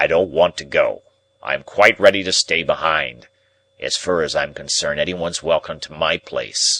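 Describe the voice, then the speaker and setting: A man puts on a character voice that is raspy and growling. He delivers it at a moderate pace. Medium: read story. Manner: growling, coarse.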